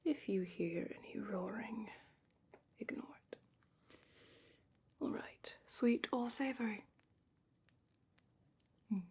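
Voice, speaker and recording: A woman playing a calm, attentive dragon matchmaker in a slow, whispered ASMR roleplay with thoughtful pauses. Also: on the high side, exaggerated voice. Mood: quietly authoritative. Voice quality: breathy, whispery. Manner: slow, gentle, thoughtful questioning with murmured pauses. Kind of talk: soft-spoken ASMR roleplay, largely whispered.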